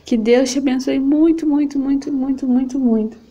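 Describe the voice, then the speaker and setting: Brazilian woman vlogger, young, high and mellow voice, gushing, self-filmed at home. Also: steady tone, moderate pace. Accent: Brazilian Portuguese. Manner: gushing and affectionate, keeps calling out to viewers. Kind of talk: casual unboxing vlog. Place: at home, at a table. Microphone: camera set up on the table.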